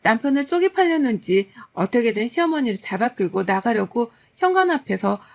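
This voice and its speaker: A woman in her thirties tells her own story as a scripted first-person narration. Her voice sits a bit high, and her delivery is steady and confiding with an aggrieved edge. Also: brisk, gravelly. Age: 30s.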